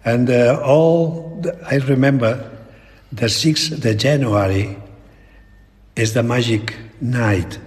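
A very old man with a Spanish accent, talking reflectively in an interview in halting, broken English with repeated words. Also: medium pitch, a little mellow. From Spain. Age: elderly. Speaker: painter being interviewed. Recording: long echoing reverb in a hall.

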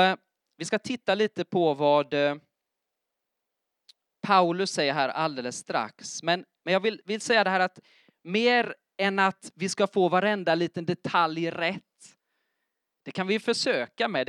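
A middle-aged man preaching a sermon in church, lively and emphatic, often asking his congregation if they are following. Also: high voice, no echo, studio quality. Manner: keeps checking in with the congregation with questions. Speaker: pastor.

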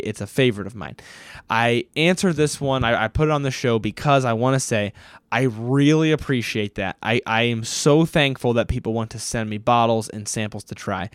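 Casual podcast host, middle-pitched, answering listener questions in a dry close-miked room. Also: male voice, smooth, no echo. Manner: casual, chatty, thinking aloud with fillers. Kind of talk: solo Q&A podcast.

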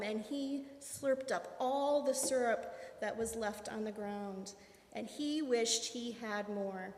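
A woman telling a children's story during a church service, speaking into a microphone. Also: high-pitched. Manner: animated storyteller. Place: church sanctuary. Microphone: amplified microphone. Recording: echoey hall.

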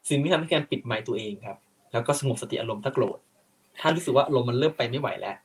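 A young man speaks as an interview guest, moving quickly from point to point. His delivery is rapid and he often slips into acting out the lines of an imagined opponent. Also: medium pitch. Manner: explains points at length, acting out quoted arguments. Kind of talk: conversational interview.

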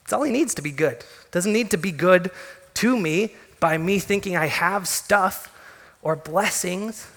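A male pastor preaches to his congregation, telling the story with lively, joking asides. His voice is bright and fairly high, and it rings out with a long reverb through the sanctuary. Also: a little slow. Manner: animated storytelling with casual humor. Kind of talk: sermon.

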